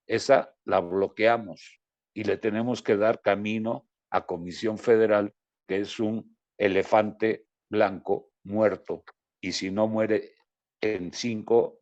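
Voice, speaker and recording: A Mexican journalist co-hosting a talk show, giving blunt opinions and quick quips. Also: male voice, fairly low pitch, a little mellow, no room sound, dull audio. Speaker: journalist co-host. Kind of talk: casual talk show chat.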